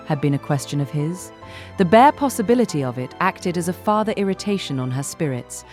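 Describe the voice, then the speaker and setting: A woman reading a literary audiobook as narrator, measured and articulate. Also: sits low, a little mellow.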